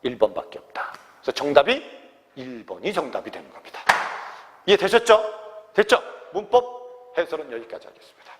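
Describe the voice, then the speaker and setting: Lively male grammar teacher, echoing room. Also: fairly high pitch, brisk, long pauses, noisy background. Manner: constant check-ins asking if students understood; refers to himself as teacher in third person. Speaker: Korean language teacher. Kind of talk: exam grammar lecture.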